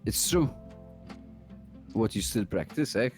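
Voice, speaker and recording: A young man with a low, deep voice talks in a loose, rambling way, restarting his sentences as he laughs along. He's an interview guest discussing things casually. Faint music plays quietly underneath. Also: expressive, slow pace. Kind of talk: casual chat.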